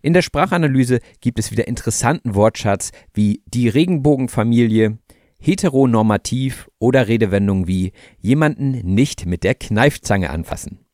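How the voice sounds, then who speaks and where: A man hosting a German-language podcast for learners, speaking in a friendly, clear and measured way. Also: medium pitch, lively intonation, a little mellow, dry recording, studio quality. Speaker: podcast host. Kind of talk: relaxed podcast interview.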